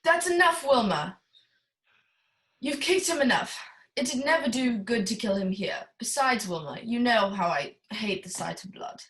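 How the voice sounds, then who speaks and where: Woman plays courtly, self-important villain boss, radio noir, voice on the high side. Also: animated, moderate pace, a bit bright, low-quality recording. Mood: scolding. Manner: courtly, pompous, wordy. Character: suave, pompous older male crime boss. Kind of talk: old-time radio play acting.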